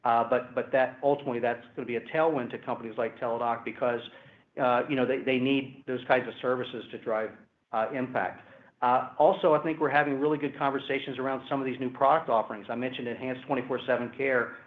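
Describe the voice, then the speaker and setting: A man speaking as a company executive, giving measured, hedging answers on an earnings call. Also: mid-range voice, level tone. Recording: roomy, phone-like conference call line.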